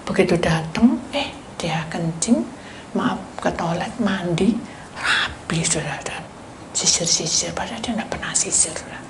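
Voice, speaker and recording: A woman pastor preaching and telling stories, animated, dropping into whispered asides while addressing the congregation. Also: lowish voice, moderate pace. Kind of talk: sermon with storytelling. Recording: roomy hall echo, faint noise.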